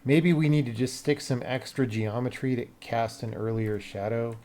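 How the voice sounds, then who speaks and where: A man's voice: mid-range voice, fairly even intonation, moderate pace, a little mellow, a little hiss or hum. A man live-streaming as a game developer, chatting casually and thinking aloud as he works, often muttering questions to himself. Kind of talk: casual livestream chat, thinking aloud while working.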